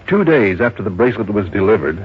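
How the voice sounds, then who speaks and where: An actor playing a discreet but gossipy small-town jeweler in a 1950s radio drama, explaining things in a measured, confidential way. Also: male voice, fairly low pitch, big pitch swings, husky, exaggerated voice. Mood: earnest, discreet. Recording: dull old radio recording, faint noise.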